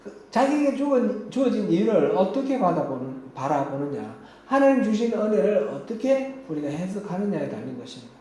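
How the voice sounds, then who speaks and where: A male pastor preaches in a church hall, and his voice rings out with heavy echo. His pitch sits a little high and moves a lot, but the tone stays mellow and soft-edged. He tells stories in an easy, conversational way. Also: sing-song, a little fast, hardly any pauses, a little hiss or hum. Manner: tells personal anecdotes in a conversational tone. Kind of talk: sermon. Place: church sanctuary.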